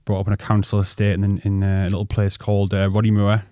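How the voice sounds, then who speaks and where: Casting: North East English man, thirties, low-voiced podcast co-host, rambling, sweary, dry close sound. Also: monotone, fast, warm tone, no room sound. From North East England. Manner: rambling, swears freely, many ums and restarts. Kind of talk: casual storytelling chat.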